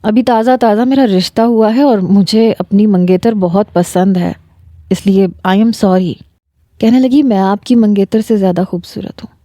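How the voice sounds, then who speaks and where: A woman's voice: mid-range voice, warm tone, dry recording, clean studio sound. A woman with a Pakistani Urdu accent reads a first-person romance story aloud, voicing a young man and his fiancée in the same voice. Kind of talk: scripted narration.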